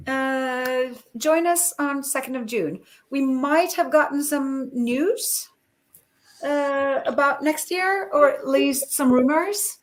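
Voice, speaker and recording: A woman co-hosting a livestream over a video call, chatting casually with frequent fillers and easy laughter. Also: high-pitched. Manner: chatty, laughs easily, hesitant with many fillers. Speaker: co-host of a livestream.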